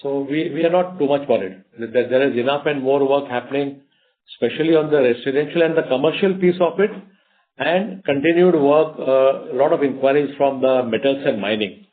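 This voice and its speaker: A man's voice: mid-range voice, a little fast. A man with an Indian accent answers investor questions as a company executive in a conversational, explanatory way, often repeating phrases. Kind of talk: unscripted earnings call answers. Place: conference call. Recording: muffled narrowband conference phone line.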